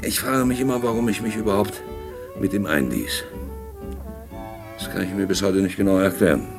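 A man's voice: sits low, moderate pace, music in the background. An actor playing a shady, world-weary black-market dealer who narrates his past in a radio play, reflective and searching for words. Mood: brooding.

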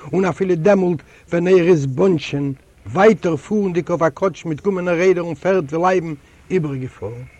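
Slow, high-voiced male story reader. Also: darkish tone, no echo. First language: Yiddish. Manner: slow, measured, solemn storytelling. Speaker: audiobook reader. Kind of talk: literary audiobook narration. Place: library recording room.

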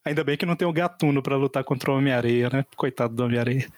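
A man's voice: mid-range voice, racing, no room sound. Chatty podcast host, man. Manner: chatty, explains with lots of fillers. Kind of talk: casual podcast chat.

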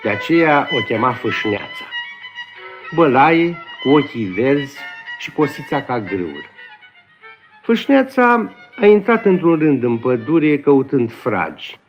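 A man's voice: mid-range voice, sing-song. A man telling a folk tale in a homely, lilting way, on a dull lo-fi recording. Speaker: storyteller. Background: faint guitar and fiddle music.

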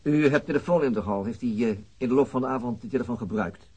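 An actor playing a persistent, formally polite police detective who questions tersely, in a naturalistic radio drama. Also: male voice, mid-range voice, fast, a little mellow, husky, natural voice. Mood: formal, probing.

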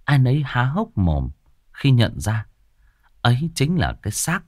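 A man's voice: mid-range voice, wildly swooping pitch, measured pace, no echo, clean studio sound. A man narrating a ghost story with a dramatic storytelling delivery.

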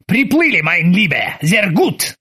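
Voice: medium pitch, sing-song, a little slow, bright, forceful tone, husky, heavily acted. A narrator voicing a blustering ship captain who interrogates in broken mock-German, bossy and barking. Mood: bossy interrogating. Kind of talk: audiobook character voice.

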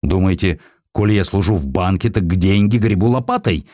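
A man's voice: low voice, normal speed, mellow, dry recording, studio quality, close to an everyday voice. A man voicing a gloomy publisher who complains plaintively about his lost money. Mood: grumbling, gloomy. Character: gloomy, grumbling male publisher fretting over lost money.

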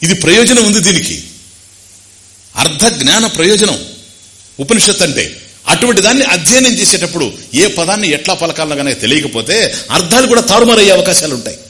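A man with a Telugu accent giving a discourse on scripture, explaining Sanskrit terms slowly and repeating phrases. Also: high-pitched, big pitch swings, sharp tone. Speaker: spiritual teacher.

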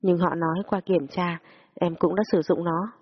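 A woman voicing a gentle reassuring young man. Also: fairly low pitch, fairly even intonation, slightly rough, highs cut off. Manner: slow, gentle. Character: calm caring young man reassuring her.

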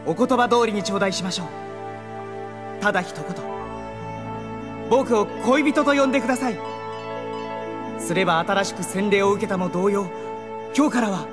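A woman voicing an earnest, nervous high school boy with a husky voice in an audio drama. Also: normal speed, long pauses, music in the background, natural voice. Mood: romantic, theatrical. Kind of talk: Japanese anime-style audio drama acting.

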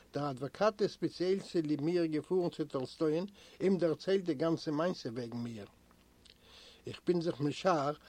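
Mellow man reading a novel aloud. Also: on the high side. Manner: measured literary reading, voicing the characters' letters and dialogue. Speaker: audiobook reader. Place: library recording room.

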